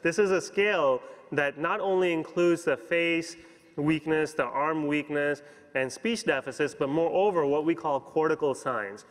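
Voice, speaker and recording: A man in his thirties delivers a keynote lecture on a big conference stage, his slightly higher voice trailing off into a long hall reverb. He explains briskly, sprinkling in "you know" and asking "okay?" to keep the room with him. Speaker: physician keynote speaker. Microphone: lapel mic.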